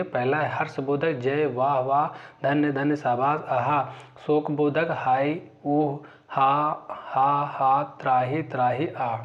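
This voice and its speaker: A man teaching an exam-prep grammar lesson, reading out lists of terms and example sentences in a steady recital, often filling pauses with "जो है". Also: on the high side, dull audio.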